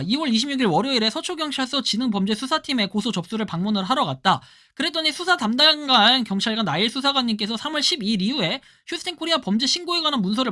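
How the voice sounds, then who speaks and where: A woman's voice: high-pitched, sharp tone. A woman giving casual explainer commentary to her viewers, often tossing out rhetorical questions and checking with them. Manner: keeps asking viewers rhetorical questions and tagging "right?".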